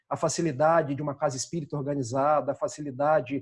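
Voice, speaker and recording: A man at a moderate pace. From northern Rio de Janeiro state, Brazil. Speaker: spiritist lecturer. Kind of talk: religious study discussion.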